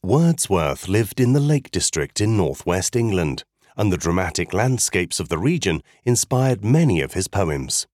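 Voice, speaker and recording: A man with a very low, deep voice narrates a literature lesson. His delivery is clear and measured, rising and falling expressively. The sound is dry and close, with no room around it. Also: big pitch swings, a little mellow, dry recording. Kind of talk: scripted educational narration.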